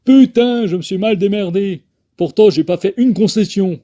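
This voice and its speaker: A man's voice: high-pitched, moderate pace, warm tone, pitched above the performer's own voice, close to an everyday voice. A man voicing a bossy, contrary cowboy in a parody western film dub, giving petulant, bickering orders.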